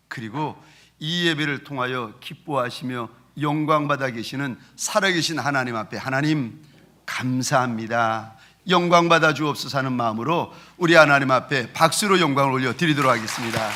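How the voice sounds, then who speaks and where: A man's voice: medium pitch, normal speed, pushed and bright. A male pastor delivering a Sunday sermon, playfully mimicking regional dialects and leading the congregation in call-and-response.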